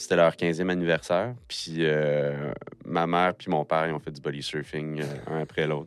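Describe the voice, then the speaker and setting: Noticeable background noise behind speech of fairly even intonation. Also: man, very deep, low pitch for a man. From Quebec, Sorel-Tracy area. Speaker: musician and record producer. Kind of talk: casual interview. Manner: slow, pausing often.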